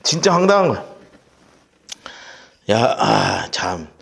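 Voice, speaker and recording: A man teaching a Bible study, retelling the story with vivid, lively asides. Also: fairly low pitch, slow pace, vocal fry, echoey room. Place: church room.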